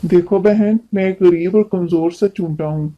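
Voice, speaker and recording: A woman's voice: fairly low pitch, a little slow, lo-fi sound, voice pushed down. A woman voicing a humble, kind-hearted male father ant in a children's story, speaking in an earnest, polite, beseeching way. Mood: pleading.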